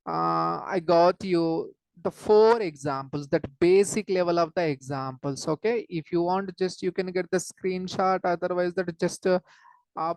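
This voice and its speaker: A woman teacher with a South Asian accent and a lowish voice explains things step by step in a dry, close-sounding recording. She repeats key phrases and often stops to check with short questions. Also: a little mellow, no echo, low-quality recording. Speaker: chemistry teacher.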